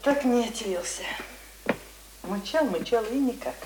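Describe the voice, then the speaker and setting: A woman's voice: a little high, expressive, unhurried. A woman playing a plain-spoken village mother in a radio play, wry and scolding in a colloquial way. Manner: colloquial, questioning, blunt. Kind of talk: Russian radio play acting. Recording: echoey, distant, noisy radio recording.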